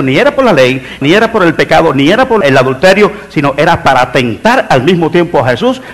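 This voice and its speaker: A middle-aged man preaching a sermon in church as pastor, building emphasis and dropping into soft asides. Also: on the high side. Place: church sanctuary.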